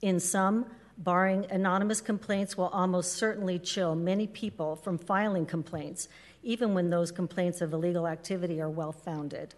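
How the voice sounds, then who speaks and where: Lowish-voiced woman reading in an echoey hall. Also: fairly even intonation, normal speed. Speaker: public commenter reading a letter to a city council. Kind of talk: formal read-aloud statement. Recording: echoey hall with long reverb.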